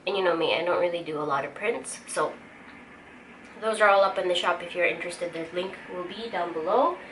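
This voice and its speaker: A young artist vlogger with a light Filipino accent chats casually in her home art studio, thinking aloud as she sorts her stock. Her voice is on the low side and fairly bright, and she talks fairly quickly over noisy room ambience.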